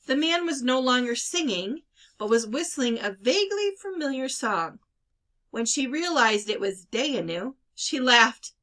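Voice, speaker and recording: Animated woman reading a novel aloud. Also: high voice, measured pace. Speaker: storybook reader. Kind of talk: expressive children's novel read-aloud.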